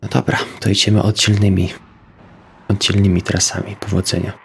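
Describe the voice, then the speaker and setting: A man's voice: fairly low pitch, flat delivery, brisk, creaky, a little hiss or hum. A man playing a tabletop game, asking hesitant questions with fillers. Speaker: player. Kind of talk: casual tabletop play.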